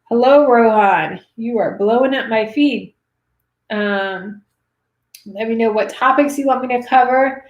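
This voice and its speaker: A woman in her thirties hosting a casual livestream, chatting and reading viewer comments, her voice going raspy. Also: a little high, unhurried, dull audio. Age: 30s. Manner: chatty, reads viewer comments, many fillers. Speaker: livestream host answering money questions. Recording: roomy echo.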